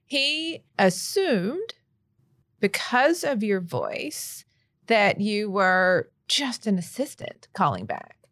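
A woman's voice: medium pitch, very animated, takes it slowly, fairly bright tone. A woman hosting a podcast, responding to a colleague in a supportive, reflective way. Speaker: podcast host. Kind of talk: podcast conversation.

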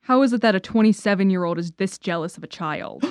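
A woman acts as a wry young friend in an audio drama. She has a medium-pitched voice with a gentle, teasing manner, captured close and dry. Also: fast, no echo, natural voice.

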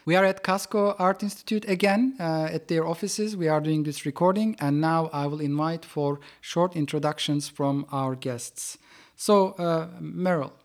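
A man's voice: fairly high pitch, steady tone, moderate pace. Hesitant male podcast host. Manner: hesitant, many fillers. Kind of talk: hosting a panel discussion. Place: office.

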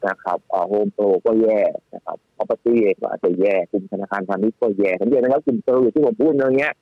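A man giving casual, animated stock-market talk as a guest analyst, with many restarts and fillers. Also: lowish voice, fast, dry recording. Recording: tinny phone-line audio, faint music.

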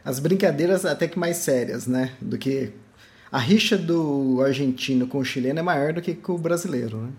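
Curious interviewer, mid-pitched voice. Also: normal speed, darkish tone. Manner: curious, brief replies. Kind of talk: casual interview.

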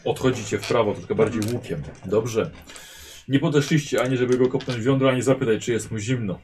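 A man narrating a tabletop role-playing game as game master, telling the scene in a lively way. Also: mid-range voice, a little fast, a little hiss or hum. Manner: lively, animated storytelling.

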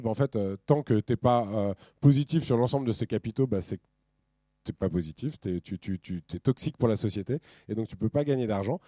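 A man speaking at a conference, talking over his slides in a loose, lively way, often restarting his sentences. His voice is warm and mellow, recorded close and dry with almost no room sound. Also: mid-range voice, no room sound. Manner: lively, many restarts and fillers.

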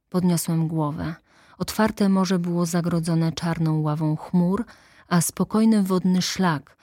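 Slow somber woman audiobook narrator. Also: on the low side, mellow, no room sound, clean studio sound. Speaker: audiobook reader.

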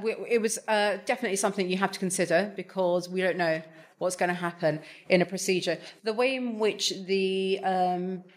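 A woman talking on a panel, hesitant, with many fillers and restarts. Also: on the low side. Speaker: TV executive on a panel. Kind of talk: conversational panel talk.

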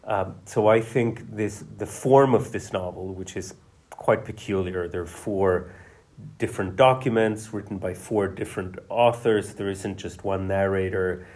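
A male novelist, a guest in a conversational interview, explaining his ideas at length in a measured way. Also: sits low, a little mellow.

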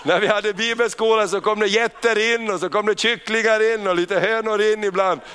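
A man's voice: high voice, fairly even intonation, noisy background. A man preaching a sermon in church, telling a personal testimony story with frequent hallelujahs and amens. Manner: storytelling, frequent "hallelujah" and "amen", tag questions.

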